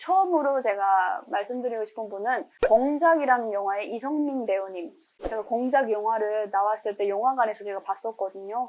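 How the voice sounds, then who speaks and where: A woman with an ordinary speaking voice talks at a moderate pace, her pitch fairly high. Her pitch varies in an ordinary way, and she leaves hardly any pauses. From Pyongyang, North Korea. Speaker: North Korean defector. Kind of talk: casual talk to camera.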